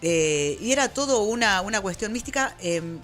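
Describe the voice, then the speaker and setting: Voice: mid-range voice, animated, normal speed, a bit bright. An interviewer with an Argentine accent chatting informally and enthusiastically in a radio studio. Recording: music playing under the voice.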